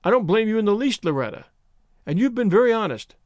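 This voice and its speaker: A man plays an intense young man in a dramatised story, stern and jealous. His delivery is urgent and imperative, with a raised, very animated pitch. The sound is dry and close. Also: quick pace, no echo, highs cut off. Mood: stern, resolute. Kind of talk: dramatised audiobook story reading.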